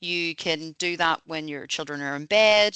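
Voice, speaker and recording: With an Irish accent, a woman with a very deep, low pitch and a bright, sharp tone speaks in a dry, close sound with no echo against a quiet background. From Northern Ireland. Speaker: tech training company representative. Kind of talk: webinar presentation. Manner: fast.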